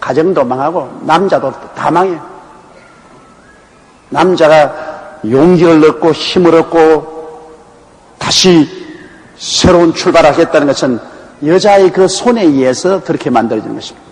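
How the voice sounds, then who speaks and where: Higher-voiced male preacher in echoey hall. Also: unhurried, pauses often. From Gyeongsang province, Korea. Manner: folksy storytelling with anecdotes. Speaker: pastor. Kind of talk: Bible exposition sermon. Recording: echoey hall with faint background noise.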